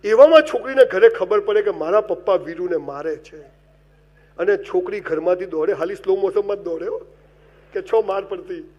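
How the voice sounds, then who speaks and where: Male motivational speaker, high-pitched, lively comic storyteller whose loudness jumps and drops as he talks to the crowd. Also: moderate pace, dull audio. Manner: animated comic storytelling with wide swings in loudness; addresses the audience directly and gives advice. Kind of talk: humorous motivational speech.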